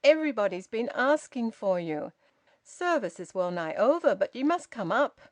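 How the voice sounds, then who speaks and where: A woman voicing a burly, bustling man who talks in a sharp, loud, authoritative way. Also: a little high, very animated, moderate pace, dry recording. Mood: brisk.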